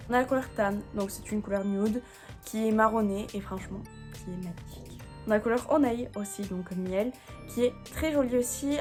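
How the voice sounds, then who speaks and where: A woman's voice: mid-range voice, darkish tone. A woman presenting nail colours in a casual, enthusiastic chat, with many fillers and stumbling over English colour names she reads from a screen. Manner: chatty, enthusiastic, many fillers and repeated praise. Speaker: beauty vlogger. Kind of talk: casual product showcase.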